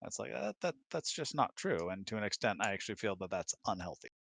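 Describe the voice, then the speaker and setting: A middle-aged man with a fairly low voice, recorded dry and close. He chats informally about relationships and often slips into imagined quotes to make his points. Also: very animated, fast talker, vocal fry, fairly bright tone, slightly rough, dry recording. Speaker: guest on spouse's hangout. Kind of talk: casual relationship chat.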